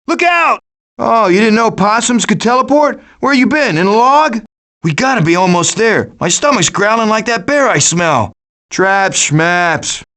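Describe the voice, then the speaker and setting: A man voicing a cocky, wisecracking raccoon who leads a band of foraging animals, with glib, sarcastic delivery in an animated video game style. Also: sits high. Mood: excited shouting.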